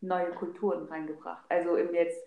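A woman's voice: fairly low pitch, level tone, a little fast, gravelly, roomy sound, phone-quality sound. A woman in a casual group discussion, explaining her opinions and slipping in English loanwords. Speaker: discussion participant.

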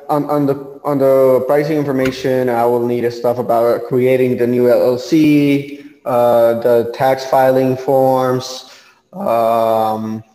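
Polite, hesitant business owner, mellow tone, long room reverb. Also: male voice, mid-range voice, vocal fry. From Honduras. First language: Spanish. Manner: polite, hesitant, laughs often.

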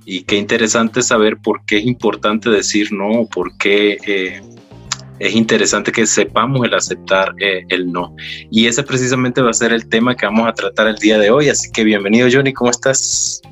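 Male podcast host, lowish voice, relaxed chatter over faint guitar. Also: normal speed. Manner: friendly, chatty, with fillers. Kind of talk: casual podcast conversation. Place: remote podcast call, based in Costa Rica.

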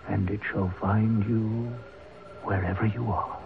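An actor playing a solemn, fatalistic old uncle, a tribal elder who speaks slowly and formally in a radio drama. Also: male voice, on the low side, level tone, vocal fry. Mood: solemn foreboding. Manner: slow, measured, formal speech. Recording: tinny, hissy old radio broadcast.

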